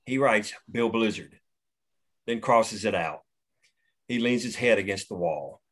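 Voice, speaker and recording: A man's voice: on the low side, expressive, unhurried, fairly bright tone. A man reading the stage directions of a screenplay steadily at a table read.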